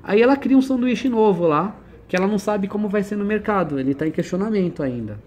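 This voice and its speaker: A man's voice: sits high, lively intonation, fast talker, darkish tone, a little hiss or hum. Man explaining business concepts casually. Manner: conversational, explains with everyday examples and asks questions. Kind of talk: informal one-on-one lesson.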